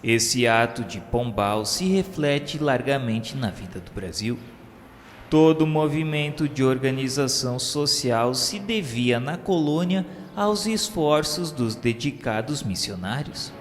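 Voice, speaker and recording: A Brazilian man reads scripted narration at a slow, measured pace. His delivery is solemn and formal, with a literary radio-novela tone. His medium-pitched voice carries a long reverb, and music plays behind him. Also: expressive.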